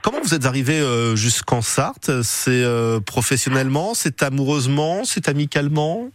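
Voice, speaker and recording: A man's voice: medium pitch, animated, moderate pace, no echo, clean studio sound. A man hosting a live radio interview in an informal, conversational way, feeling his way through questions.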